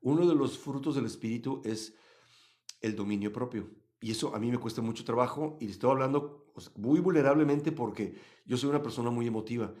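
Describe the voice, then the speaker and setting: A man from Mexico, teaching a live Bible study and answering chat comments, swinging between loud emphasis and quiet asides. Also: mid-range voice, fairly quick. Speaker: Christian livestream teacher.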